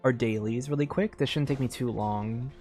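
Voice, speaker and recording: A tired man doing casual live gameplay commentary, thinking aloud in a low-key, meandering way. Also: normal speed, a little mellow, soft background music. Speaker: game streamer.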